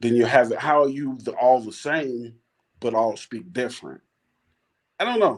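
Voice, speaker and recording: A man with an American accent at medium pitch and a moderate pace, with fairly even intonation, big swings in loudness and long, frequent pauses. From US Midwest. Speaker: live stream guest. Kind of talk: casual chat.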